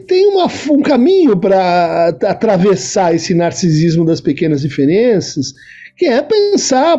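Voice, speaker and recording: A man's voice: sits high, highs cut off. A Brazilian man, a psychoanalyst guest, explaining ideas in a podcast interview. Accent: Brazilian Portuguese. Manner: explanatory, lively intonation.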